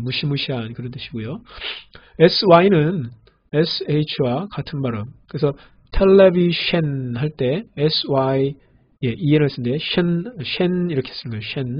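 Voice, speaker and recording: A man giving a recorded language lesson on pronunciation, patiently repeating example words slowly. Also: fairly high pitch. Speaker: language teacher. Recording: dull lo-fi audio.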